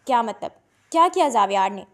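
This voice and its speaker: A timid, gentle wife, voiced by a woman reader in a storybook drama. She speaks in a soft, hushed, high voice. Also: lively intonation, close to an everyday voice.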